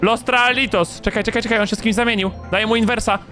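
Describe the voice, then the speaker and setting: A high-pitched man commenting on his game in an excited rush, repeating phrases and bursting into shouts. Faint music plays softly behind his voice. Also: quick pace. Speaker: gaming YouTuber.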